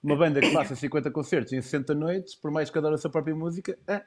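Quick, slangy man with European Portuguese accent. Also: on the high side, darkish tone. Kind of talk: casual anecdotal chat.

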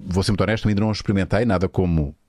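A man with a European Portuguese accent hosting a casual talk show, often halting and repeating his words as he goes. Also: deep voice, fairly even intonation, a little mellow, no echo, clean studio sound.

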